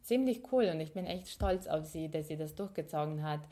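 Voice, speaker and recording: A young woman from Ukraine talks in a relaxed podcast chat, her voice sitting on the low side. She reflects as she goes, pausing on fillers and restarting sentences. Ukrainian is her first language. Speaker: podcast co-host. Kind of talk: casual conversation.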